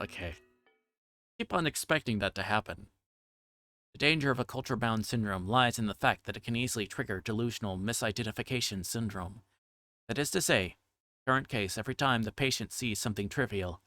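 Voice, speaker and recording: Low-voiced man reading aloud, close and dry. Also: a bit bright, no echo. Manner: stumbles over difficult words. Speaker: livestreamer. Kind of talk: reading visual novel text aloud on a livestream.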